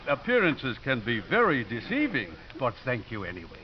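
An actor playing a gentle Catholic priest, polite and hesitant yet determined, in a 1950s radio drama. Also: male voice, mid-range voice, huge pitch swings, moderate pace. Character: gentle, persistent Catholic priest running a college. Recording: muffled, hissy old 1950s radio recording.

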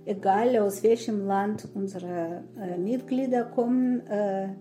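A woman in her sixties from Ukraine, answering interview questions in a halting way with many pauses and fillers. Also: mid-range voice, dark tone, soft background music. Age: 60s. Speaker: guest, association founder.

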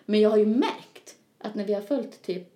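A woman's voice: mid-range voice, warm tone. Young woman, Swedish accent, dry joking podcast chat, echoey room. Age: 20s. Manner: wry, joking. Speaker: podcast co-host. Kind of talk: casual chat. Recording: roomy echo.

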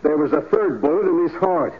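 An actor playing a blunt, insistent police sergeant in 1940s radio drama style, with a brusque, accusing manner. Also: male voice, fairly high pitch, fairly quick, breathy edge. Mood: matter-of-fact. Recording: tinny 1940s radio recording.

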